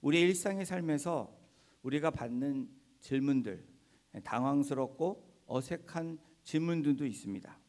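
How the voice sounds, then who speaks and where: A middle-aged male pastor giving a Sunday sermon in a church, telling stories gently and often affirming himself with "ye". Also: medium pitch, expressive, normal speed. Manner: gentle storytelling with frequent "ye" affirmations. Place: church sanctuary.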